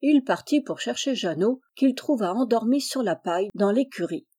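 A woman reading a classic novel aloud in calm, measured storytelling. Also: a little high, husky. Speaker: audiobook reader. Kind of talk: scripted narration.

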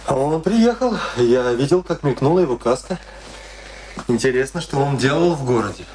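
An actor playing a conscientious, forgiving family friend in a radio play, speaking earnestly, reasoning with dramatic delivery. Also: male voice, medium pitch, lively intonation, moderate pace, a little mellow, natural voice. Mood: alert. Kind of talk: Russian radio play acting. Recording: noisy old radio drama recording with clicks.

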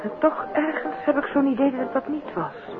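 An actress playing a polite, formal, uneasy countess in a 1950s radio play. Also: female voice, high-pitched, normal speed, music in the background, natural voice. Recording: tinny 1950s radio recording.

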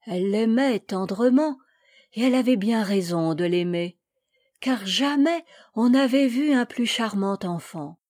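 A woman reads a classic children's story aloud with measured, expressive phrasing. Her voice sits a little high, and the recording is close and dry with no room sound. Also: no echo. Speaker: reader. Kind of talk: storybook reading.

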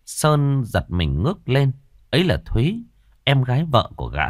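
A man narrating a horror story in a dramatic, expressive storytelling style. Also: mid-range voice, moderate pace, no echo, clean studio sound. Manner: expressive, swinging dramatic delivery.

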